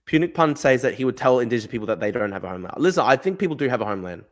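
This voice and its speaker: With a medium-pitched voice, lively intonation and a racing delivery, a young livestream host fires back at chat messages. He is argumentative and blunt, swearing freely and repeating himself.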